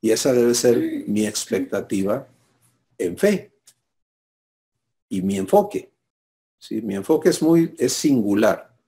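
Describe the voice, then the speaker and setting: A man's voice: fairly low pitch, animated, slow pace, pauses often, warm tone. A man preaching a sermon, teaching and often asking listeners for assent. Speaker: pastor.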